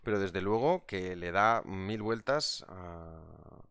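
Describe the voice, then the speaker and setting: Chatty man, smooth low voice. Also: lively intonation, takes it slowly, a bit bright, no echo. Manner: chatty, reads out viewer comments. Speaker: trading instructor. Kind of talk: live market analysis webinar.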